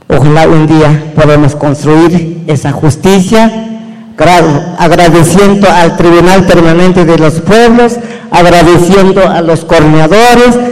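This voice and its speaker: Slow, earnest indigenous man testifying. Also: fairly high pitch, darkish tone, in a large hall, poor audio. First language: an indigenous language. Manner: earnest, halting, with restarts. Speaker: indigenous community witness. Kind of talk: slow formal testimony at a hearing. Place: hearing hall.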